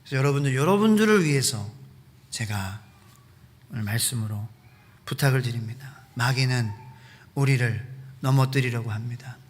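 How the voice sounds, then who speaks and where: A man pastor preaching a sermon, animated, acting out quotes and asking the congregation questions, in a reverberant church hall. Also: mid-range voice, normal speed, pauses often. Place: church sanctuary.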